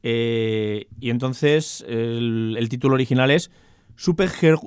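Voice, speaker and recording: A man from Catalonia co-hosting a casual chat about new film releases, relaxed and joking as he retells plots. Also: medium pitch, slow pace, smooth, dry recording, clean studio sound. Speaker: podcast co-host.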